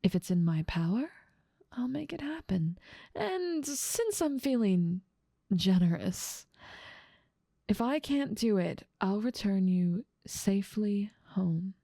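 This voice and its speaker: A woman's voice: mid-range voice, expressive, slow, gravelly, mellow, no room sound, studio quality, full character voice. A woman voicing a dominant demon ruler of hell in an ASMR roleplay, teasing, condescending and self-assured. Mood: indulgent.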